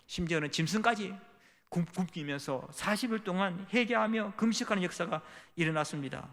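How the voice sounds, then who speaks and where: A man's voice: sits high, lively intonation, fairly quick, gravelly, a bit bright. A middle-aged male pastor preaching a sermon in a church, dramatically acting out quoted prayers and dialogue. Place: church sanctuary. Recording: long hall reverb.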